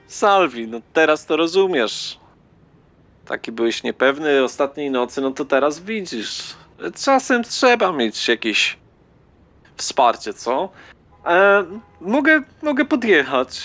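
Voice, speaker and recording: A man's voice: a little high, fairly bright tone. A man voicing a breezy, reassuring vampire fixer in a tabletop game, slangy and a little patronizing.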